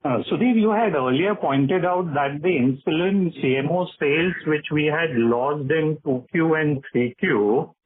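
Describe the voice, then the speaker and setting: A man calling in as a financial analyst, asking probing questions in a hesitant, slightly husky voice. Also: fairly high pitch, measured pace, few pauses, no room sound. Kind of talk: asking questions on an earnings conference call. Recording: thin, band-limited phone line.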